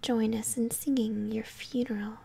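A woman's voice: fairly high pitch, fairly even intonation, moderate pace, gravelly, mellow, slightly rough, exaggerated voice. A woman voicing a fanatical monster cultist in a game, chanting reverent verse in a whisper. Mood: worshipful.

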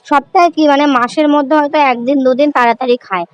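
A woman's voice: high voice, steady tone, fast talker, muffled recording. A woman in her thirties chatting casually through her day as a vlogger and mother, rambling through everyday details. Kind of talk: casual daily vlog narration. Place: home, later outdoors on a night street. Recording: noisy phone recording with street sounds.

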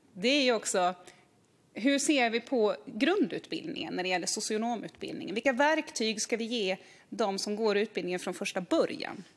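A middle-aged woman member of parliament making an earnest closing debate speech, posing questions and hesitating now and then, at a podium microphone in a parliament chamber. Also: mid-range voice.

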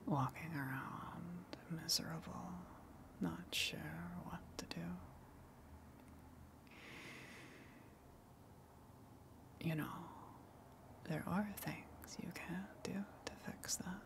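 A woman playing a gentle eldritch tentacle monster in an ASMR roleplay, coaxing and soothing in a breathy whisper with long pauses. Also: fairly low pitch. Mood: soothing, knowing.

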